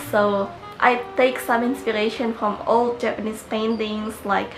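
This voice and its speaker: A woman with an Indonesian accent, fairly high in pitch with ordinary pitch variation, at a fairly slow pace, amid audible room echo and music in the background. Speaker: craft vlogger. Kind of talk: casual chat; tutorial.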